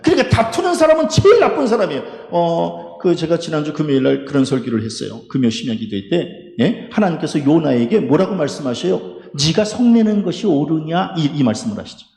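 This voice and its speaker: A man's voice: on the high side, creaky. A male pastor preaching a sermon, asking the congregation questions, answering them himself and laughing briefly between points. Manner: lively preaching, rhetorical questions, quick laughs. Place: church sanctuary. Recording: echoey church hall with long reverb.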